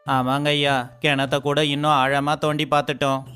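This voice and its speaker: A man's voice: on the high side, flat delivery, normal speed, pushed and bright, smooth. A man voicing several village men in turn in a storybook dialogue. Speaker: voice actor for story characters. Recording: faint music behind.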